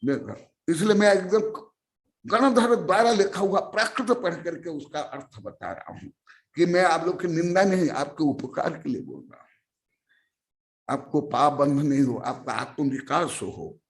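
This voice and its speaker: Slow, high-voiced older monk preaching. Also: male voice, expressive. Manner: slow, emphatic lists of repeated phrases. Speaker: Jain monk teacher. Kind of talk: scripture study sermon. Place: teaching hall with listeners.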